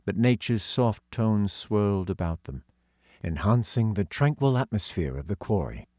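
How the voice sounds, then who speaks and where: Expressive male audiobook narrator. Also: fairly low pitch, normal speed, no room sound, studio quality. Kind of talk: scripted story narration.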